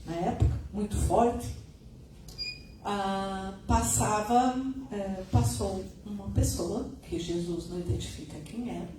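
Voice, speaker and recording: A middle-aged woman giving a conversational spiritist lecture, her voice still a little hoarse. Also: mid-range voice, slow pace, distant mic. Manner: conversational, adds tag questions. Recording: echoey room, recorded from afar, noisy.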